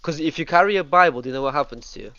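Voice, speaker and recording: A man's voice: fairly high pitch, rapid-fire, sharp tone, dull audio. A man from Russia, host of a Christian debate group, talking eagerly in a casual voice chat with many restarts and fillers.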